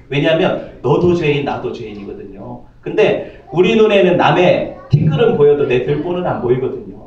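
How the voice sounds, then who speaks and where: A man's voice: a little high, a little mellow. A man preaching a sermon as pastor, joking and asking his congregation questions. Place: church sanctuary. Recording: distant, echoey, slightly dull church audio.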